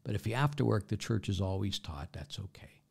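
A man's voice: on the low side, animated, fairly quick, gravelly, a little mellow, breathy edge. A man speaking as a Catholic priest, giving informal religious teaching and answering questions in a conversational, emphatic way, often checking in with listeners.

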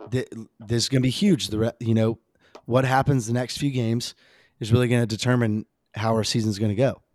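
A man with a slightly hoarse voice hosting a casual, rambling, emphatic fan talk on a sports podcast. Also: medium pitch, fairly even intonation, brisk, darkish tone, dry recording, clean studio sound.

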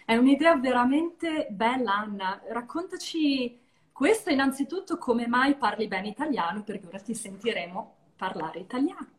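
A woman with a fairly high voice hosts an interview. She speaks conversationally, introducing and questioning her guest, with the odd English aside. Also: expressive, normal speed. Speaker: interview show host.

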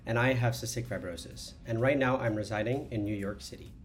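A man's voice: mid-range voice, fairly quick. A man in his twenties talking conversationally in a testimonial interview, with frequent fillers. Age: 20s.

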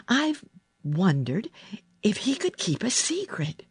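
A woman's voice: medium pitch, very animated, takes it slowly, slightly rough, dry recording, pitched above the performer's own voice, full character voice. A woman voicing a contrary, headstrong young girl in a storybook, blunt and insistent. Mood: thoughtful.

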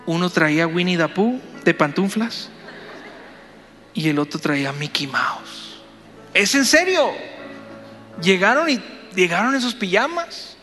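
A man, a pastor, telling a story in a sermon, animated and playful as he talks to the congregation. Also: sits high, unhurried, long pauses, long reverb tail, faint music behind.

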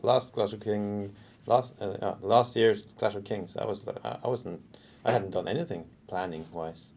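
A man's voice: on the low side, moderate pace, a little mellow. A man co-hosting a podcast in English, easygoing and dryly teasing his co-host. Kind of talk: casual chat.

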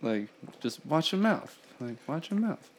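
A man's voice: fairly high pitch, big pitch swings, measured pace, husky. Laid-back slangy podcast co-host man. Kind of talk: casual podcast chat.

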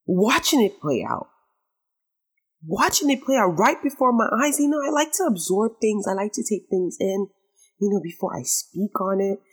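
A woman with a raspy, hoarse voice hosting a talk show monologue, giving her opinions emphatically and repeating phrases for effect. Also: fairly high pitch. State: hoarse after a late night.

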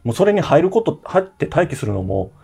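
A man's voice: fairly high pitch, very animated, fairly quick, vocal fry, mellow, husky. A man with a Kansai accent co-hosting a casual talk show, telling stories and joking. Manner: storytelling, nostalgic, joking. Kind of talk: casual chat.

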